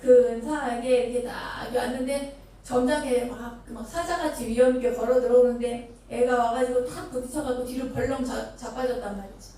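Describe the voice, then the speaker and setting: A woman's voice: on the high side, steady tone, normal speed, warm tone. A Buddhist nun from Chungcheong Province tells a story during a sermon. She asks the listeners questions as she goes. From Chungcheong Province, Korea. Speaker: Buddhist nun giving a dharma talk. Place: temple dharma hall with an audience. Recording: echoey hall from far off, faint noise.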